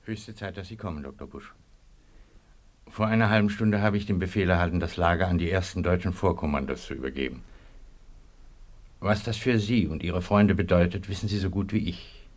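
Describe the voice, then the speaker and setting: An actor playing a stern but decent colonel in a radio drama, measured, authoritative and urgent. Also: male voice, deep voice. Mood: grave urgency. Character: stern, decent military camp commandant, a colonel. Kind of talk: German radio drama acting.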